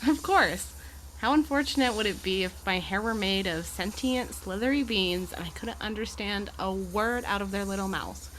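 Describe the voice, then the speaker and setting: A woman's voice: mid-range voice, moderate pace, a bit bright, slight background noise, lightly acted, rough recording. A woman playing an amiable, poised Gorgon educator in an audio drama, with articulate, genteel and reassuring phrasing. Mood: wry, playful.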